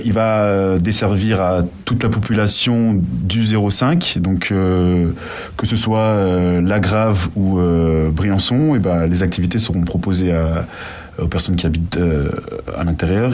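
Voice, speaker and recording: A man answering informal interview questions as a youth centre worker, in a hesitant, halting way with long pauses. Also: deep voice, a little mellow.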